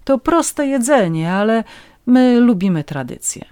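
A woman's voice: fairly high pitch, sing-song, unhurried, mellow, clear, resonant tone, no room sound, studio quality. A woman narrating a first-person story in a wry, ironic storytelling manner.

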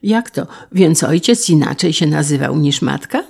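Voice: medium pitch, animated, normal speed, vocal fry, darkish tone, slightly rough. A narrator voicing a jovial middle-aged carriage manufacturer who asks hearty, teasing questions in an audiobook. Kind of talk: audiobook character reading.

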